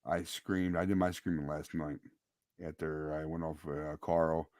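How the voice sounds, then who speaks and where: A man co-hosting a casual sports podcast, excitable and tripping over his words, his voice a little worn from yelling. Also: extremely low pitch, measured pace, no echo. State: voice nearly lost from yelling. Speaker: podcast co-host.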